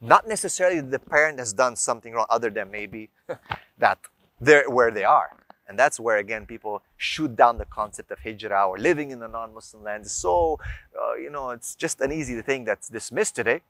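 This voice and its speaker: A man's voice: medium pitch, expressive, moderate pace, a bit bright, dry recording, low-quality recording. A man giving an informal explanatory talk as a religious advice speaker, teaching emphatically with rhetorical questions and lists of examples. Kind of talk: informal explanatory lecture to viewers.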